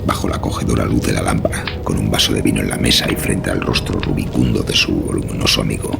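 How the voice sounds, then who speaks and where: A man narrating a scripted horror story in a measured, suspenseful, dramatic way. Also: very deep voice, fairly even intonation, vocal fry, loud music behind the voice.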